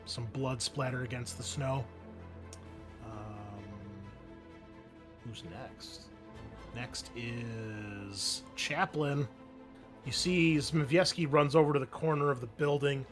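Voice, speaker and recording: A man runs a tabletop roleplaying game as game master. His narration is casual and improvised, in a medium-pitched voice. Soft music plays behind him. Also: slow, long pauses. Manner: casual, improvised scene description.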